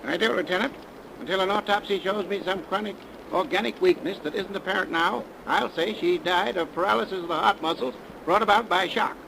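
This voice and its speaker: A clinical coroner speaks in a measured, gravelly voice pitched fairly high. Hiss from an old 1930s radio recording sits behind him. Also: male voice. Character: clinical coroner doctor, sure of himself. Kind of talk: 1930s radio drama acting.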